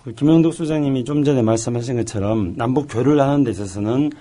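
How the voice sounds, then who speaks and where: A man's voice: medium pitch, quick pace, warm tone. A middle-aged man as a talk show guest, telling stories in a joking, self-deprecating way. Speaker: guest, policy director.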